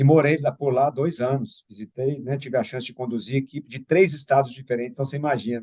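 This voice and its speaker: A man speaks very fast with hardly any pauses, his medium-pitched voice somewhat breathy. His tone is dark and mellow, and his intonation fairly even. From Brazil, Belo Horizonte, Minas Gerais. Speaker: pharmaceutical industry manager. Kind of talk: podcast interview. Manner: casual, with many fillers.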